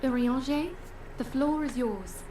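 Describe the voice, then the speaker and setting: A composed woman leading a fantasy order in a game. Her speech is formal and explanatory, fairly high in pitch, coming from far off in a roomy, noisy sound. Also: measured pace. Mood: composed, earnest. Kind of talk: scripted game dialogue. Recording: roomy, distant game playback with noise.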